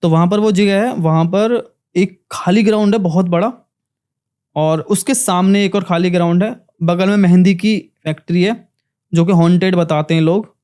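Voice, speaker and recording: A young man with a high, smooth and resonant voice, mellow in tone. He recounts a personal ghost story in vivid, earnest detail as a podcast guest. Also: moderate pace. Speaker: paranormal investigator guest. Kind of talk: emotional storytelling in a podcast interview.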